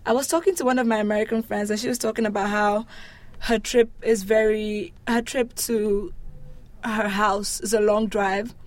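A young woman from Nigeria with a Nigerian accent, a university student answering interview questions in an animated, emphatic, casual way. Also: mid-range voice, normal speed. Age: young adult.

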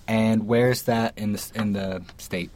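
A man's voice: on the low side, fairly even intonation, normal speed, a little mellow, a little hiss or hum. A man hosting an interview in a casual, informal way, feeling his way through questions. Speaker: interview host.

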